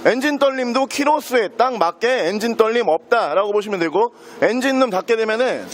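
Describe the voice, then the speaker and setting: A man's voice: very high-pitched, animated, a little fast, slight background noise. A man presenting a used car in a walkaround sales video, talking in the fluent patter of a car salesman.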